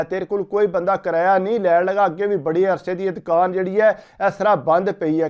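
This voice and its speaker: A man tells a folk story with a high, clear, smooth voice, steadily repeating "he said" as he relays each step. The recording sounds a little muffled and lo-fi. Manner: steady retelling, repeating "he said" before each line.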